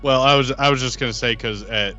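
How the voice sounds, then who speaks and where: A man's voice: mid-range voice, brisk, muffled recording, faint music behind. A man bantering casually and jokily as a player on a tabletop game podcast. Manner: animated, joking.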